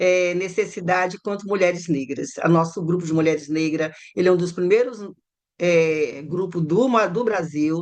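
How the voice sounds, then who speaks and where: This woman has an ordinary speaking voice, fairly low in pitch, with ordinary pitch variation and a moderate pace. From Maranhão, Brazil. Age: 60s. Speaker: activist. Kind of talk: podcast interview.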